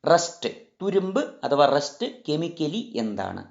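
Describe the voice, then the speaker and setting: A man's voice: on the high side, sing-song, vocal fry. A man running a chemistry quiz lesson, who repeats each question and mixes languages as he coaxes listeners toward the answer. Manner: repeats each question, switches between languages, coaxing pauses. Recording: roomy, slightly dull sound with faint music.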